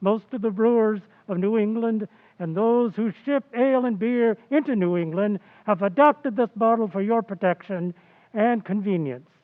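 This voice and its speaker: An actor playing a polished, upbeat 1940s radio announcer reading commercial copy. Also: male voice, sits high. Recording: thin, phone-like radio sound, faint music.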